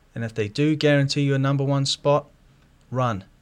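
Moderate pace from a man at medium pitch with a London accent, on a very clean recording with a silent background. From London, England. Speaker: web designer. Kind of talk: recorded listener audio comment.

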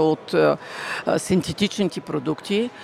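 A woman talks with a fairly low pitch at a moderate pace. Noticeable background noise runs underneath. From Macedonia region. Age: 80s+. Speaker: retired beekeeper, herbalist. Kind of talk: interview at a food fair.

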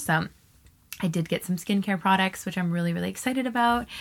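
On a very clean recording with a silent background, a woman speaks at a fairly quick pace in a somewhat breathy voice with ordinary pitch variation. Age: 30s. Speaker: podcast host. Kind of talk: casual solo monologue.

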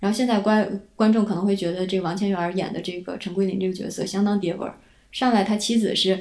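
At a very fast pace, a woman speaks at medium pitch with monotone, flat intonation. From Northeast China, Shenyang. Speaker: writer. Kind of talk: casual chat.

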